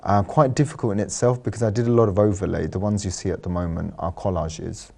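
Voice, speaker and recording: A man's voice: deep voice, fairly even intonation, fast, gravelly, a little mellow. A man, an artist and designer, answering interview questions thoughtfully in a studio, with frequent ums and you-knows. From London. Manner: thoughtful, uses fillers like um and you know.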